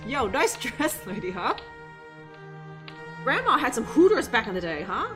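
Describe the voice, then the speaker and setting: A woman's voice: fairly high pitch, measured pace, music in the background. Giggly woman streamer. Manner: giggly, animated, rambling. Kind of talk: casual gameplay commentary.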